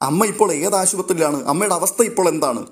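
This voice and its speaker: A man voicing a frantic middle-aged mother who pleads and wails in quick questions. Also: fairly high pitch, natural voice. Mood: alarmed.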